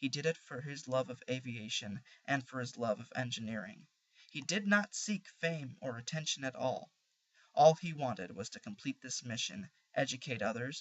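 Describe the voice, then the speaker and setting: A man talks at a moderate pace in a medium pitch, with lively intonation. It is an ordinary speaking voice with big swings in loudness. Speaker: poet and assistant magazine editor. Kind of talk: personal essay reading.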